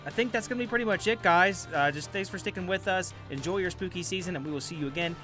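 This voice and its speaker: A man hosting a podcast, speaking casually and directly to listeners with some hesitant pauses. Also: high voice, pushed and bright. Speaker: podcast host. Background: music.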